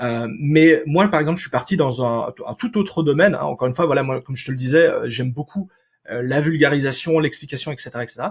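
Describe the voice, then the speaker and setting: Very fast pace with ordinary pitch variation. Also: man, fairly high pitch for a man. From Belgium. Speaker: crypto content creator. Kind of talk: podcast interview. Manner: hesitant, many fillers.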